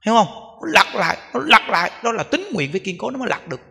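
A Buddhist monk giving an emphatic sermon, full of rhetorical questions and repetition. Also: male voice, high-pitched, very animated, fast talker, vocal fry, sharp tone, big-room sound.

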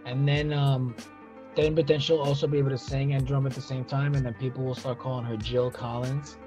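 A man's voice: medium pitch, level tone, mellow, faint music behind. A man in his thirties with a Brooklyn accent, hosting an upbeat, slangy chat over a video call with an earbud headset. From Brooklyn, New York. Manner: upbeat, slangy, quick to hype. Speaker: podcast host. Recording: dull lo-fi call audio.

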